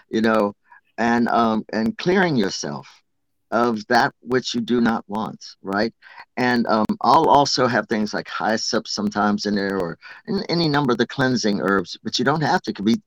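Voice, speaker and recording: A man's voice: on the low side, expressive, normal speed, no echo, rough recording. Earnest man explaining folk rituals, dry sound. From Appalachia. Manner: earnest, chants and sings ritual verses. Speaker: guest witchcraft teacher. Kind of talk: conversational interview, explaining rituals.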